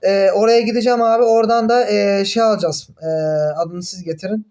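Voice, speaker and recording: High-voiced excitable young gaming streamer man. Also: brisk. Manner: excitable, swears and groans when frustrated. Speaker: mobile game streamer. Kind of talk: casual gameplay commentary.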